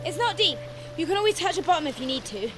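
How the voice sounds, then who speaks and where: A woman's voice: very high voice, big pitch swings, fast, over music. A woman playing a bubbly, carefree young woman who coaxes and laughs a lot.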